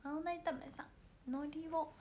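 A woman's voice: high voice, fairly even intonation, moderate pace, a little mellow, a little hiss or hum. Giggly young woman chatting on stream. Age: young adult. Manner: giggly, playful, imitates friends' sneezes. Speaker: idol streamer. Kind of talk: casual livestream chat reading comments.

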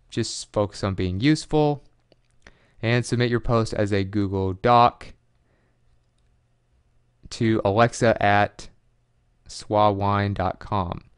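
Tutorial host, male, clear, dry close-mic sound, loose, chatty delivery with fillers. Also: fairly low pitch, dry recording. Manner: loose and conversational, frequent fillers, reads out web addresses. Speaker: online money tutorial presenter. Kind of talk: casual screen-share walkthrough.

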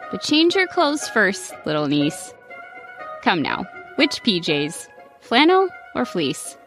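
A patient, gently firm fox aunt from a storybook, voiced by a woman reader. She speaks slowly and calmly. Faint music sits under her voice. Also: mid-range voice, heavily acted.

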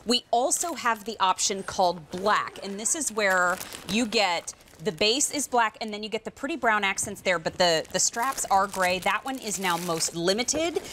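A woman hosts a live home shopping broadcast from a studio. Her medium-pitched voice runs through chatty, enthusiastic sales patter, with slight background noise. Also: animated, moderate pace, few pauses, fairly bright tone. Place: large TV studio kitchen set.

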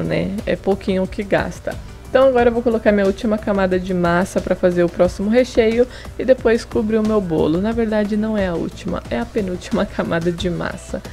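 A woman's voice: medium pitch, creaky, mellow. A young woman hosting a home cooking video, chatting through each step and adding friendly tips in a voice-over. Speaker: cooking channel host. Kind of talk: casual recipe demonstration. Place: home kitchen table.

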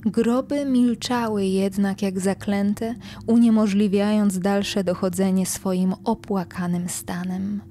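A young woman narrating a horror tale in a slow, hushed voice that often sinks to a whisper. Her tone is dark and mellow, with a middle pitch. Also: slight background noise. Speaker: podcast host reading her own story. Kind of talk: scripted horror story narration.

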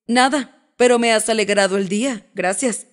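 Brash flirty man, bit high for a guy, read by a woman narrator. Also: moderate pace, natural voice. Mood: teasing. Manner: cocky, teasing. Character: brash cocky male pilot, teasing. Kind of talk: audiobook character voice.

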